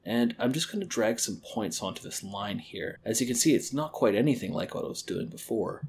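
A man teaching a screen-recorded lesson on a quality desk microphone, calmly explaining audio editing and wave theory step by step. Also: medium pitch, a little fast, slight background noise. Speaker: library educator.

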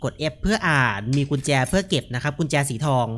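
A man's voice: fairly high pitch, animated, fast, a bit bright, a little hiss or hum. A man giving casual, jokey commentary while playing a horror game. He chats freely, reads out what he finds and laughs often. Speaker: gaming streamer.

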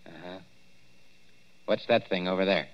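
An actor playing a brash young American male newspaper reporter, brisk and pushy, in a 1940s radio drama on a dull old recording. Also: low voice.

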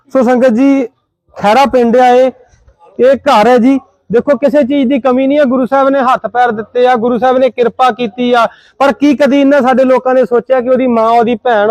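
A man's voice: extremely high pitch, darkish tone, no echo, rough recording. A man, a charity volunteer, questioning people outdoors in a village and appealing to viewers in an emotional, pleading and consoling way. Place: outdoors in a village among a crowd. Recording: crowd chatter behind.

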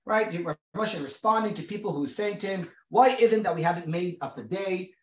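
A man in his forties who grew up in Israel teaches a class, talking conversationally and stumbling over repeated words as he goes. He is recorded in a room with a lot of echo. The sound is dull and lo-fi. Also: high voice. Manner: reads Hebrew sources aloud quickly. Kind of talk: recorded lecture to a group.

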